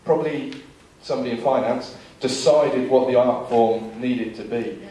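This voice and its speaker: A man's voice: mid-range voice, moderate pace, distant mic. A man in his forties, a filmmaker on a seminar panel, telling stories and acting out other people's lines. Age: 40s. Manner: lively storyteller who acts out other people's lines. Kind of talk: anecdotal seminar talk. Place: seminar hall. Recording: very echoey hall, voice from afar.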